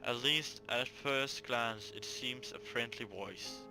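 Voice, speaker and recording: A man hosting a let's play, reading a visual novel aloud and breaking off into animated, jokey asides. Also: medium pitch, slow pace, creaky, over music, poor audio.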